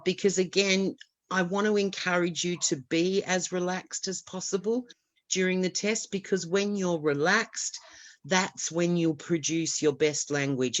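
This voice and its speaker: A woman's voice: fairly low pitch, no echo. A woman giving reassuring advice as an expert guest on a webinar, explaining with small restarts over a video call.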